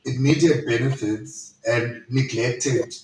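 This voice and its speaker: A man co-hosting a casual podcast discussion, speaking in a measured, explanatory way. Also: medium pitch, darkish tone. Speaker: podcast co-host. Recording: distant echoey mic, faint noise.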